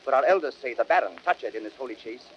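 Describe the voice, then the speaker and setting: An imperious Roman ruler acted by a man speaks in a dull, hissy old radio recording. His delivery is quick and highly animated, with formal, declamatory command in the manner of classical radio drama. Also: natural voice. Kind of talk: 1930s radio Shakespeare acting.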